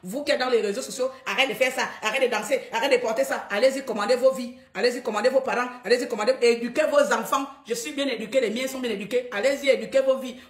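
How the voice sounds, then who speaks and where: Middle-aged woman with a Cameroonian accent, blunt and defiant live-stream talk, echoey room. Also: a little high. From Gabon. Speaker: activist addressing followers in a live stream.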